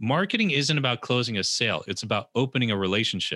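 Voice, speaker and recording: A man with a medium pitch speaks at a moderate pace, the sound dry and close with no echo. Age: 40s. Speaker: brand strategist and author. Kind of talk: casual interview. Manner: animated.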